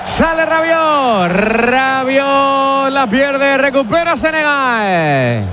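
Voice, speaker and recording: A man giving brisk football play-by-play commentary, joking with his co-commentators between calls. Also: very high voice, big pitch swings, over music.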